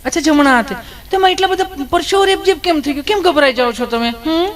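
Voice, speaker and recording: A fussy nurse lady, put on by a male comedian, her voice pushed up high and thin. She keeps pressing with questions and tags a nagging "hmm?" onto the end. Her voice sounds a little further from the mic than the comedian's own. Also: fast, fairly bright tone. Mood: prodding. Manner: insistent, ends questions with a prodding "hmm?".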